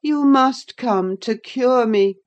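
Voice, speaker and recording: A woman's voice: a little high, takes it slowly, dull audio, voice pushed up. A woman doing a sickly, peevish teenage boy. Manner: whining and impatient.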